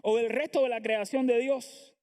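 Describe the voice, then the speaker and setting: Male pastor, high voice, earnest sermon delivery with rhetorical questions. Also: steady tone, moderate pace, a little mellow. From Latin America. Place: church sanctuary.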